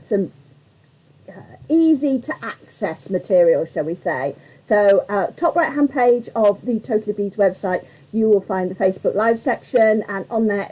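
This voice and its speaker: On a live craft tutorial stream, a woman with a warm, medium-pitched, slightly croaky voice chats in a rambling way and greets viewers by name. The audio is poor.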